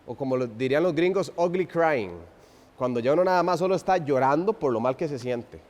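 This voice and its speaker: A man preaching an expository sermon, swinging from loud emphasis to hushed, drawn-out phrases and asking the congregation rhetorical questions. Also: a little high, lively intonation. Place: church sanctuary. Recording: long reverb of a church hall.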